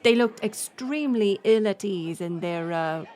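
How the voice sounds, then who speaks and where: Woman playing a slow-talking, teasing pirate smuggler captain. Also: medium pitch, darkish tone, some chatter behind, close to an everyday voice. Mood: teasing, sardonic. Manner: playful, teasing, sardonic, commanding with crew. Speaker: audio roleplay performer. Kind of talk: intimate audio roleplay storytelling.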